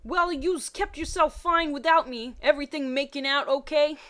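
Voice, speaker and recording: A woman's voice: high voice, normal speed, a bit bright, pitched above the performer's own voice. A woman voicing an eager, joking teenage boy in a storybook reading, exclaiming and slangy. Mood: upbeat.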